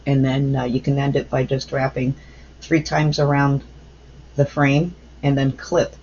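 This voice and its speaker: A man narrating his wire-wrap jewelry work at home in a casual, unhurried way, thinking aloud as he goes. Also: medium pitch, completely flat delivery, darkish tone, slight background noise. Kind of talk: casual craft follow-along narration. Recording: dull lo-fi home recording.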